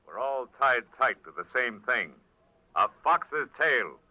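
A man playing a wry, world-weary private detective in a 1940s radio drama, speaking in terse, measured phrases. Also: mid-range voice, big pitch swings, a crowd in the background. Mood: punchy teaser. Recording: muffled vintage radio recording, faint music.

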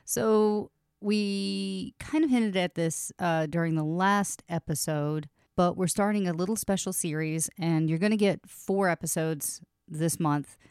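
A woman hosting a casual music podcast, talking in quick, chatty bursts and laughing often, a little sniffly from allergies. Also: lowish voice, darkish tone, smooth, no echo, clean studio sound. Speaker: podcast host. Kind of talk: casual chat.

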